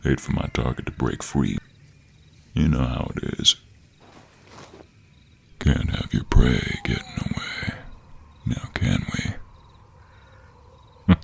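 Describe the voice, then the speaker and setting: A man playing a cocky, flirtatious and menacing cowboy monster hunter in an audio roleplay, with a very deep, gravelly voice and a slow American cowboy drawl. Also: full character voice. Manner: slow, teasing drawl with terms of endearment. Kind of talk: intimate scripted audio roleplay.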